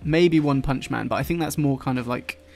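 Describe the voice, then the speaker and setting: A man with an English accent softened by London, chatting casually and rambling while he draws, swearing now and then and dropping his t's. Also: mid-range voice, normal speed, gravelly, faint music behind. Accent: English, London-influenced. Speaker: YouTuber drawing on stream. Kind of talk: casual chat while drawing.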